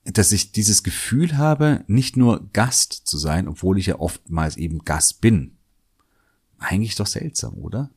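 A man's voice: sits low, animated, unhurried, a little mellow, breathy edge. A German-speaking man hosting a solo podcast, talking in a thoughtful, musing way and often repeating words as he weighs his thoughts. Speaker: podcast host. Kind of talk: reflective solo podcast monologue.

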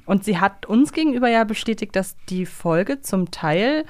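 A woman's voice: mid-range voice, lively intonation, normal speed, darkish tone. A woman co-hosting a podcast, discussing things casually in a thoughtful, explanatory way. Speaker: podcast co-host.

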